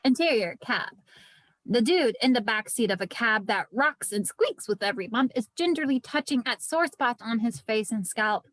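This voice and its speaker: A woman's voice: fairly high pitch, animated, normal speed, a bit bright, no room sound, low-quality recording. A woman reading scripted stage directions as narrator at a screenplay table read.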